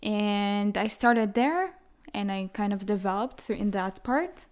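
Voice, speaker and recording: A woman's voice: medium pitch, measured pace, darkish tone. Earnest young woman with an American accent. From Israel. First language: Hebrew. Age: 20s. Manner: earnest, repeats words for emphasis. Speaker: guest. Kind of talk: casual interview conversation.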